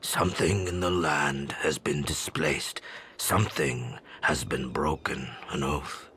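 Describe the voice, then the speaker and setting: An actor playing a weary, regretful old tribal man in a video game, speaking gravely in a gravelly, breathy voice. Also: rumbling low, steady tone, pushed and bright, a little hiss or hum, full character voice. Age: older. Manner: slow, somber storytelling. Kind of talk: video game cutscene monologue.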